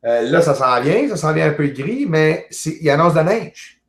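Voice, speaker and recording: A man with a Québécois French accent, a guest chatting casually over a video call, jovial and halting with many fillers and restarts. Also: a little high, very animated, fairly bright tone. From Quebec, Canada. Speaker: guest, amateur astronomer. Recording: roomy echo.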